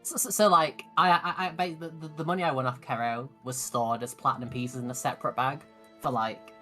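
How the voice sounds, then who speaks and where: A man's voice: mid-range voice, brisk, sharp tone, faint music behind. A man chatting casually as a tabletop game player, stammering and repeating words as he works things out.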